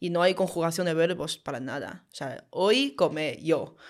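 At a moderate pace, a woman speaks with a fairly low pitch and ordinary pitch variation on a very clean recording with a silent background. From China, Wuhan. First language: Chinese (speaking Spanish). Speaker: tech sector worker. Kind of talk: casual interview.

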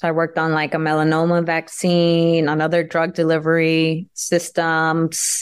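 A woman with an American accent, fairly low pitch, and monotone, flat intonation, at a moderate pace with hardly any pauses and very even loudness. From New York. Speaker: actress. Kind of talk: interview.

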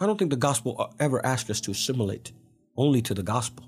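A man's somewhat breathy, medium-pitched voice with an American accent, very fast pace and lively intonation. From New Jersey, US. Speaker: pastor. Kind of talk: interview.

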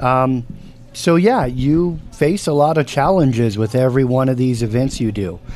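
Speaking at a moderate pace in an American accent, a man uses ordinary pitch variation at a medium pitch. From Southeast Colorado. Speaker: local news podcast host. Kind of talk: interview. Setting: restaurant after closing.

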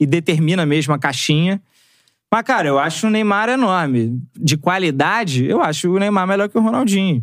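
This man has a plain, everyday voice. He speaks fairly quickly, his intonation lively. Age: 30s. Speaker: sports journalist. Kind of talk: casual chat.

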